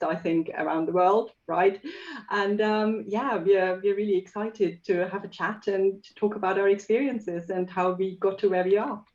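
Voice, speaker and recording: A woman's voice: mid-range voice, darkish tone, highs cut off. A woman from Germany, a native German speaker, chatting as a podcast guest about her career in translation technology, with frequent ums. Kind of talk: casual interview chat.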